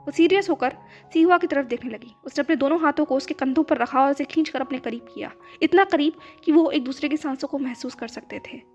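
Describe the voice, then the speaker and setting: A woman narrating her own fan fiction story in a flowing, expressive way. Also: high voice, fairly quick. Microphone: phone recording. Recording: dull lo-fi voice with background music.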